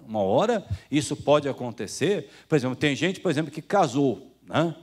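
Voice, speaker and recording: Preaching conversationally with a Brazilian Portuguese accent, this male pastor addresses listeners as "irmão" like brothers and performs the voices he quotes. He speaks in a mid-range, slightly rough voice with lively intonation at normal speed.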